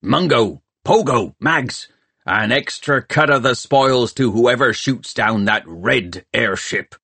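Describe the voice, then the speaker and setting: Man voicing a gruff, snarling pirate mayor villain. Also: medium pitch, expressive, slow pace, sharp tone, no room sound, full character voice. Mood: vengeful, menacing. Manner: snarling, hissing, rough nonstandard grammar. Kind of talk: audiobook character voice.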